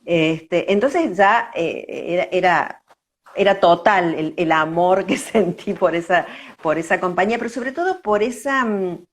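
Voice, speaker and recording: An older woman with an Argentine accent reminisces in a conversational interview, reflective, pausing and repeating words. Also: fairly low pitch. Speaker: interview guest, dancer.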